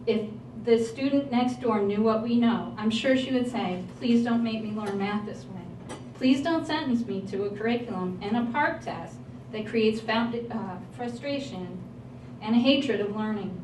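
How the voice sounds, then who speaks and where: A woman's voice: on the high side, measured pace. A woman reading a prepared statement at a public hearing in an earnest, pleading manner. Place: large hall at a public hearing. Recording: roomy hall, voice from a distance, faint noise.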